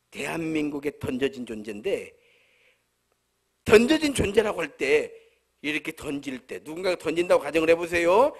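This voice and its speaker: A male pastor with a Jeolla accent, delivering a humorous, conversational sermon full of rhetorical questions at a church service. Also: fairly high pitch. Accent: Jeolla Korean.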